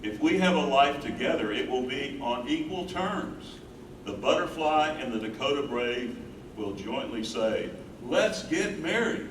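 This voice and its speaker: A man's voice: mid-range voice, expressive, measured pace, natural voice. A man in a staged play reading, playing an earnest, devoted young man courting his sweetheart with theatrical delivery. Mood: earnest, persuasive. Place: live staged reading in a room. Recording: echoey room, distant mic, noisy.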